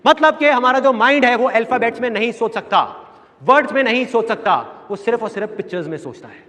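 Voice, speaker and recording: A man from India giving a live motivational seminar talk, telling stories in a lively way and acting out voices. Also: very high-pitched, brisk, slight background noise. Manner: lively storytelling with acted voices. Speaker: motivational speaker. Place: large hall with an audience. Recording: echoey hall with audience.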